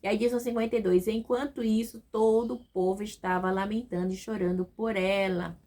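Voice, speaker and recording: A woman's voice: mid-range voice, fairly even intonation, fairly quick, warm tone. A woman with a Brazilian Portuguese accent giving a casual devotional Bible study, reading scripture aloud and checking in with her listeners in a conversational way. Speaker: Bible teacher.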